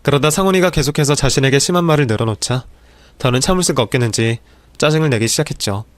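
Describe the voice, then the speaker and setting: A man's voice: medium pitch, fast talker, dry recording. Man narrating a dramatic story.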